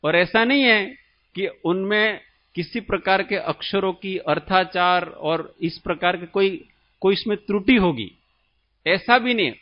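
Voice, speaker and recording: Indian man teaching in a high voice. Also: no echo, lo-fi sound. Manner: slow, explanatory, asks the listeners questions. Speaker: spiritual teacher. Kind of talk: religious discourse.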